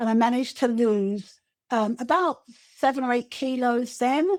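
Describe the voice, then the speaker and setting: A high-pitched woman with a Cockney accent, fairly slow, with ordinary pitch variation. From London, England. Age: 60s. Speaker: weight loss patient, former fitness instructor. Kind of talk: interview.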